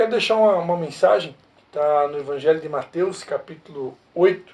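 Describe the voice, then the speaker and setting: A man's voice runs high in pitch, with ordinary pitch variation. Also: moderate pace. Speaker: preacher. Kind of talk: sermon. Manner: loud.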